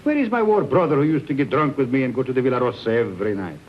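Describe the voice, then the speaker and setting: An actor with an Italian accent playing a boisterous, drunken army officer who teases, laughs and mocks in theatrical 1930s film style. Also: male voice, medium pitch, lively intonation, rapid-fire, close to an everyday voice. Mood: drunk teasing. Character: boisterous drunken male officer, teasing and swaggering. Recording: muffled old film soundtrack with hiss.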